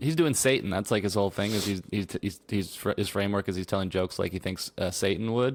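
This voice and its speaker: A man mumbles at a very fast pace with hardly any pauses. His pitch is fairly low, with ordinary variation. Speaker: improv comedian, podcast host. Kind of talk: casual chat. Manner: mumbling.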